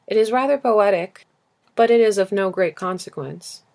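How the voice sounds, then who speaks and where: A woman voicing a serious, curious small boy in a storybook, asking simply and thoughtfully with gentle persistence. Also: mid-range voice, moderate pace, creaky, close to an everyday voice. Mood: thoughtful, earnest. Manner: earnest questioning, simple and thoughtful. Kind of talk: storybook character reading.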